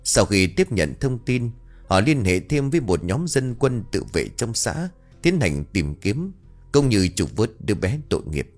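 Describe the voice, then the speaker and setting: A man narrating a dramatic story in a steady storytelling voice. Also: fairly low pitch, a little slow, faint music behind.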